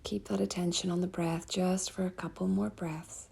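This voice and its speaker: A woman yoga teacher leading a guided relaxation meditation in a soft, breathy, soothing manner with gentle pauses. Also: fairly low pitch, little pitch movement.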